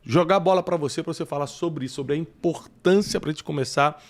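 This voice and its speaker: A man's voice: on the high side, fairly quick. Emphatic Brazilian man hosting a podcast. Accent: Brazilian Portuguese. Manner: emphatic, preacherly, cites scripture. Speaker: podcast host. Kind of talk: podcast conversation.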